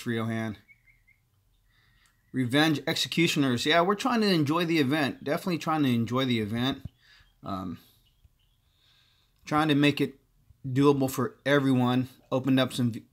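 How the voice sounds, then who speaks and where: Chatty man hosting a game stream. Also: mid-range voice. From partly Korean heritage. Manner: chatty, thinks aloud, many uh fillers. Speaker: livestream host. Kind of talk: casual gaming livestream chat.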